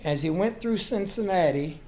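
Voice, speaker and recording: An older man, telling folksy anecdotes in an unhurried way, in short phrases with pauses. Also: sits high, animated, a little mellow. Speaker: guest storyteller.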